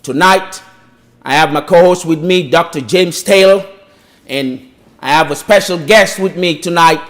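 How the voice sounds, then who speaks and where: A man with a somewhat high voice hosts an interview podcast. He opens with a formal welcome and then asks his guest plain, conversational questions. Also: a little slow. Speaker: podcast host.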